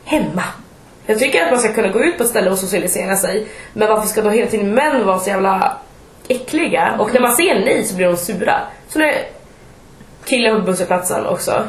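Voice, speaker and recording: A woman, co-hosting a podcast and telling stories in casual chat. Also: mid-range voice. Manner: chatty storytelling, animated retelling. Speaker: podcast co-host. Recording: echoey room.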